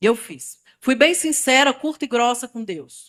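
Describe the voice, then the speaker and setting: A woman with a Brazilian accent speaks at a very slow pace. Her high voice moves through very wide pitch swings. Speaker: evangelical testimony speaker. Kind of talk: testimony.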